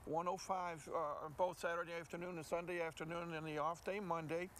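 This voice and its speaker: An older American play-by-play announcer co-hosts a sports commentary chat, repeating words for emphasis. His voice is fairly high, level and fairly bright, his pace brisk, with faint ambient noise in the background.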